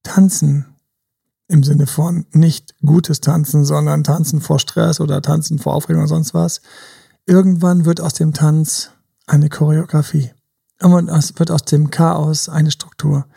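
On a relaxed, reflective podcast, a dating coach plays out advice to his younger self, occasionally whispering and slipping in English words. He speaks unhurriedly in a level, dark tone on the high side, with vocal fry and a breathy edge.

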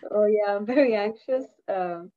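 A chatty university student from Costa Rica appears as a guest in a casual interview, speaking at normal speed in a mid-range voice. She laughs often and trails off mid-sentence, and the lo-fi recording sounds dull and muffled.

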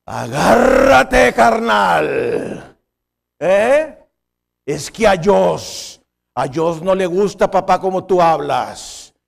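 Man doing a preachy little kid scolding his dad, slightly high voice. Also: animated, slow, gravelly, a little mellow, heavily acted. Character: young child scolding his father.

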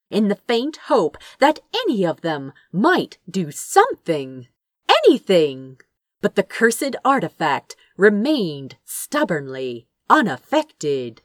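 A woman's voice: mid-range voice, no echo, studio quality. A woman reading a fantasy story aloud as narrator, with theatrical, suspenseful delivery. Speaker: fan fiction narrator.

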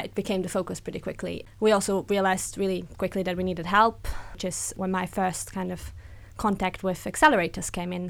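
A woman in her thirties with an Austrian accent, chatting openly and upbeat as a guest on an interview podcast. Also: medium pitch. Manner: chatty and upbeat, quick asides with laughs. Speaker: guest, accelerator program director. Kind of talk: casual interview talk.

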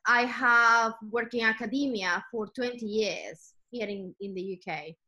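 This middle-aged Ecuadorian woman, a native Spanish speaker with an Ecuadorian Spanish accent, is a guest answering interview questions. Her voice is fairly high, pushed and bright, and she speaks a little slowly, reflecting and telling stories as she goes.

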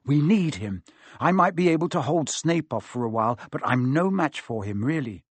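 Male reader as young boy hero, earnest, urgent, modest, lightly raised pitch, storybook. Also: lively intonation, moderate pace, husky, no echo. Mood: urgent, resolute. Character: brave, modest, anxious young schoolboy hero.

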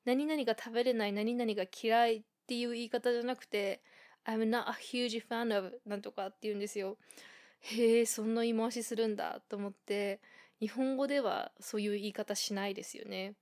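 A woman from Japan hosting a casual solo podcast, thinking aloud and filling pauses with frequent fillers. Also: fairly high pitch, fairly even intonation, a little mellow. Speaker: podcast host.

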